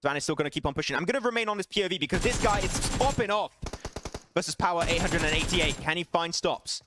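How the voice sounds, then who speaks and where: A man casting an esports match alone, excitable and chatty, laughing and bantering with his stream chat between calls. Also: sits high, fast talker, noisy background. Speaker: esports caster. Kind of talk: solo esports play-by-play commentary.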